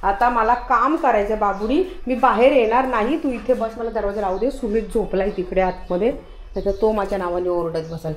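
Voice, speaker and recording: A woman, vlogging at home and scolding her pet dog in a loud, chiding way. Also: medium pitch, moderate pace. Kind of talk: casual home vlog.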